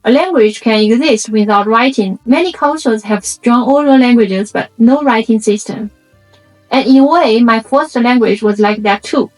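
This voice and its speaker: This video essay host from China, a native Chinese dialect speaker with a Chinese accent, reflects in measured short phrases with music behind her. Her voice is fairly high and a little mellow, and the recording is low quality.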